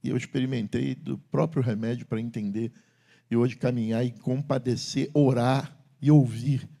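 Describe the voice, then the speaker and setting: A middle-aged man preaching a sermon as pastor in a church, swinging between loud emphatic calls and low confiding talk to the congregation. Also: fairly even intonation, moderate pace, creaky. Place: church sanctuary.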